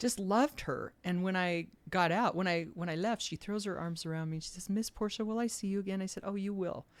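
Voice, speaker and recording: Fairly quick and with hardly any pauses, a woman speaks in a plain, everyday voice at medium pitch with ordinary pitch variation, on a very clean recording with a silent background. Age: 50s. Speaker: former inmate and recovering addict. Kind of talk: interview testimony.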